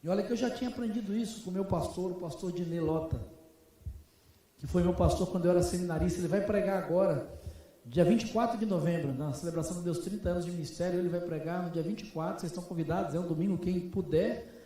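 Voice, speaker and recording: A middle-aged pastor from Brazil preaching a sermon to fellow pastors, telling stories with emphatic swings and slowing for repeated refrains. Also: male voice, sits high, warm tone, a little hiss or hum. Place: church meeting hall. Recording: very echoey hall.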